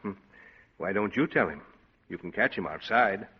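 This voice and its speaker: An actor playing a gruff, curt police lieutenant in an old-time radio drama. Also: male voice, lowish voice, animated, moderate pace. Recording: dull old radio broadcast.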